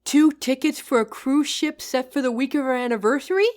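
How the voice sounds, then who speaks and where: A woman's voice: high voice, a little fast, a little mellow, natural voice. A woman playing a loving, tired career-woman wife in an intimate audio roleplay, speaking tenderly and teasingly as if to her husband. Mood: overwhelmed, grateful.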